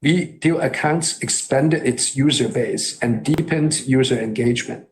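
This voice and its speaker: A man reading a scripted earnings call presentation as a company executive, in a formal and measured way. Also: mid-range voice, a little hiss or hum, low-quality recording.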